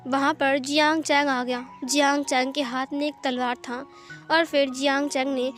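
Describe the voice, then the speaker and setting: A woman's voice: high voice, flat delivery, normal speed, a bit bright. A woman casually narrating a fan-fiction story. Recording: faint background music.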